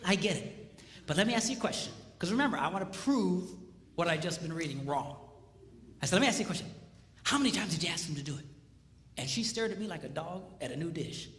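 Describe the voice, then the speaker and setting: A man's voice: on the high side, fast. A man preaching a humorous sermon, telling stories animatedly and acting out the voices of the people in them. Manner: animated, acts out quoted voices. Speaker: pastor. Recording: long hall reverb, faint noise.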